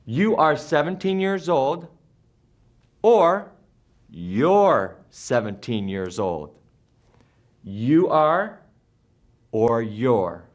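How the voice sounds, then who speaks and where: Leading an English class, an American man talks slowly and with care, repeating words so his students can follow in this drill. His mid-range voice swings widely in pitch.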